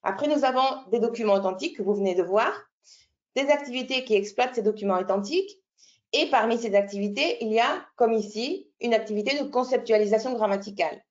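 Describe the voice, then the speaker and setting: A woman's voice: fairly high pitch, fairly quick, dull audio. A woman with an Italian accent presenting a teacher-training webinar, explaining step by step with fillers and restarts. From Italy. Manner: explanatory, many fillers and restarts, checks in with "d'accord?". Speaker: French language teacher trainer.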